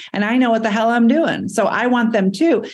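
Somewhat breathy and fairly high-pitched, a woman speaks with an American accent. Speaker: realtor and show host. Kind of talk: casual chat. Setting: video call.

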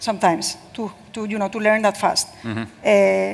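A woman speaks at a moderate pace with noticeable background noise. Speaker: bank executive. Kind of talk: panel discussion. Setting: stage with audience.

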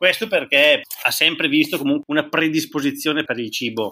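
A man talks at a very fast pace. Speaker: restaurant owner. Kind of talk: interview.

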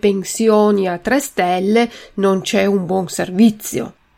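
A woman speaks very slowly at a medium pitch. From Italy. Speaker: Italian language teacher. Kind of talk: language lesson podcast. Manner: slow, clear teaching pace.

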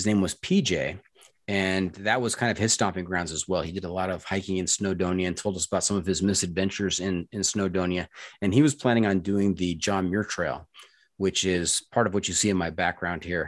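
Over a quiet background, a man with an American accent talks at a fairly quick pace in a very deep, low voice with fairly even intonation. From United States. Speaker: podcast host. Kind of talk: casual chat.

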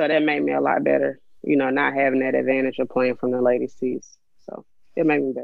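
A woman talks at a very fast pace. She has an Alabama accent. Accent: Southern US (Alabama). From US South. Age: 30s. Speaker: entrepreneur. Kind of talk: casual chat.

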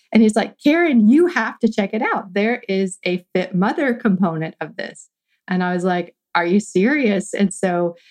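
Speaking at a moderate pace, a woman with a plain, everyday voice uses lively intonation at a fairly high pitch. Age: 50s. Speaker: program member sharing weight-loss story. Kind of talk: interview testimony.

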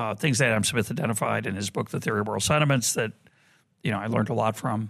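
On a very clean recording with a silent background, a man speaks at a medium pitch with vocal fry, lively intonation and an American accent. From US Northeast, Boston. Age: 60s. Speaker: economist and author. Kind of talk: interview conversation.

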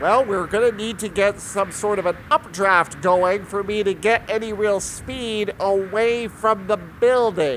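Over clear background noise comes a put-on character voice with a fairly high pitch. It moves at a fairly slow pace with hardly any pauses. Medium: actual play. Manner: flustered, rambling.

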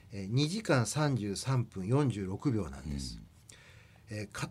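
A man is talking. There's a somewhat breathy edge to his voice. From Tokyo, Japan. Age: 50s. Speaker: literary critic. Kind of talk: radio interview discussion.

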